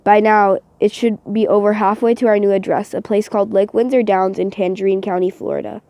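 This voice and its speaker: A woman giving a deliberate, expressive dramatic reading of first-person novel narration, as for a voice audition. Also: mid-range voice, dry recording.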